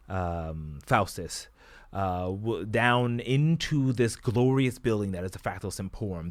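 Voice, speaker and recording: A man's voice: on the low side, no echo. A man narrating as game master of a tabletop game, rambling with many fillers.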